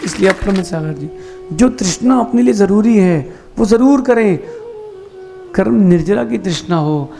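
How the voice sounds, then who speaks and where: A man, a Jain monk, giving a sermon with slow emphatic explanations and rhetorical questions. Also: sits high, lively intonation, vocal fry, music in the background, a crowd in the background.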